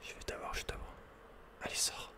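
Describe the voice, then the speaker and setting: A man giving casual, slangy ASMR commentary on a video game, muttering with the odd mild swear word. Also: fairly quick. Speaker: ASMR gaming streamer.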